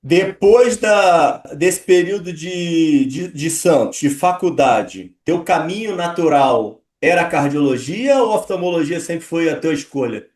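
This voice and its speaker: A man's voice: a little high, expressive, a little slow, a little mellow, roomy sound. A man hosting an interview, asking questions hesitantly and repeating words as he starts. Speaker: host.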